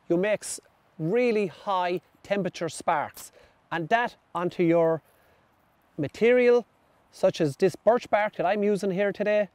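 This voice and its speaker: A man, talking with a fairly high voice. He walks young viewers through bushcraft skills step by step in a friendly, demonstrative way. The sound is dry and close even though he is out in a forest. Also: no room sound. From Ireland. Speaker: bushcraft presenter. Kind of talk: presenting outdoor tips to children. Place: outdoors in a forest.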